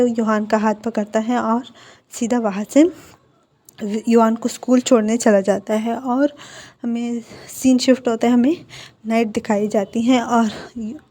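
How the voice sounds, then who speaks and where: A woman narrating a fan fiction story in a quick, plain storytelling manner with small restarts. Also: fairly high pitch, dark tone. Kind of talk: reading fan fiction aloud.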